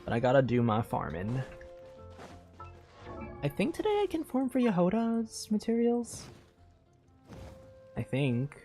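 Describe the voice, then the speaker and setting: A tired man doing casual live gameplay commentary, thinking aloud in a low-key, meandering way. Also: wildly swooping pitch, a little slow, long pauses, dark tone, soft background music. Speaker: game streamer.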